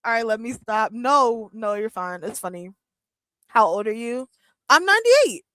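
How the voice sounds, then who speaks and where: A woman's voice: a little high, sing-song, moderate pace, a bit bright, no echo, low-quality recording. A woman in her thirties chatting casually on a live wrestling watch-along, joking with her chat, laughing often and using lots of fillers. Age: 30s. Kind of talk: casual live-stream chat reading comments.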